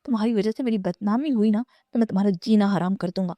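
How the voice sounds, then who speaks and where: A woman's voice: medium pitch, warm tone, no echo, lightly acted. A woman voicing a proud, rude young husband in a storybook reading, speaking in a cold, cutting, bitter way.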